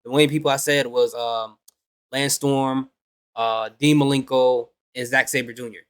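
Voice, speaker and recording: A man's voice: medium pitch, steady tone, clean tone. Laughing, joking reaction host man. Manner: laughs a lot, quick joking asides. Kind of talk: casual reaction commentary.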